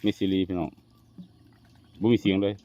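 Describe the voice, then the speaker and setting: A man's voice: low voice, level tone, moderate pace, dark tone, dry recording. A chatty man talks viewers through a casual fishing vlog in the countryside. The sound is dry and a little muffled, as if from a lo-fi mic outdoors, with animals heard behind him. He laughs easily and calls his viewers brothers and sisters. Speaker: vlogger. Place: outdoors in rural fields.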